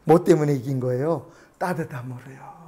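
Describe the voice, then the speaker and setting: A male pastor preaching a sermon, telling stories and asking rhetorical questions, moving between loud emphasis and hushed asides. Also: mid-range voice, moderate pace. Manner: storytelling with frequent rhetorical questions.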